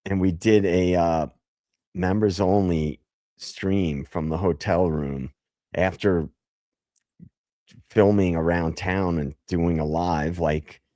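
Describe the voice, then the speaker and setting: A man hosting a casual livestream, hoarse after a gig, talking loosely and swearing as he jokes with chat. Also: low voice, warm tone, dry recording, clean studio sound. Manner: loose and profane, jokey. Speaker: livestream host.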